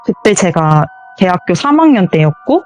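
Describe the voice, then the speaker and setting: A woman's voice: lowish voice, very animated, normal speed, faint music behind. A woman telling her own true ghost story as a guest, vividly acting out the voices in it.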